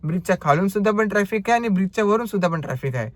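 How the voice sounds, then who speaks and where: Animated Marathi-accented male driver vlogger. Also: high voice, very fast, no echo. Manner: animated storytelling, acts out quoted customers. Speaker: ride-hailing driver vlogger. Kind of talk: casual storytelling vlog.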